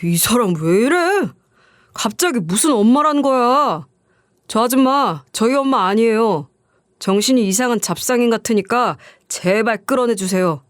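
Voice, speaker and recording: A cold young son who has become a lawyer, curt and dismissive toward his mother, voiced by a woman. His lines come out clipped and impatient, pitched somewhat high. The recording is dry and close, as on a story radio show. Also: expressive, normal speed, dry recording, lightly acted.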